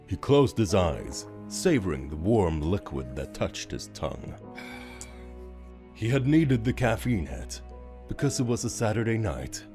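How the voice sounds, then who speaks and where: A low-voiced man narrates a scripted story with lots of rise and fall. His delivery is dramatic and expressive, with music playing behind him.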